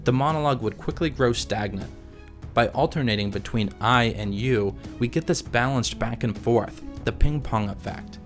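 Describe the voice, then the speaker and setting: A man narrating a scripted video essay in a measured, analytical way. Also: mid-range voice, faint music behind.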